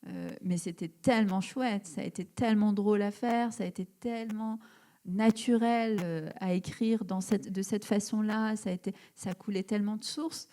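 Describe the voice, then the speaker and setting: A woman's voice: mid-range voice, fairly even intonation, moderate pace, dark tone. A woman in her thirties from Algeria, a writer answering questions in a live public interview, searching for words with many fillers and restarts. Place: event hall before an audience.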